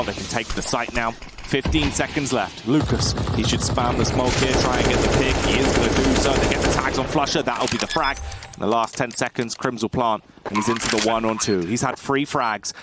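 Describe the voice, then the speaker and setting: A man works as an esports caster, giving play-by-play with a mid-pitched voice. His delivery ranges from measured analysis to excited calls. Gunfire and clicks from the game are clearly heard behind him. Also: very noisy. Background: video game gunfire and clicks.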